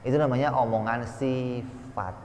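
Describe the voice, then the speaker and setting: A man giving a slow, explanatory religious study lecture, now and then voicing sound effects for his examples. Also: medium pitch, fairly even intonation, a little mellow, a little hiss or hum. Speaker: religious teacher. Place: pesantren study hall. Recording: echoey hall with long reverb.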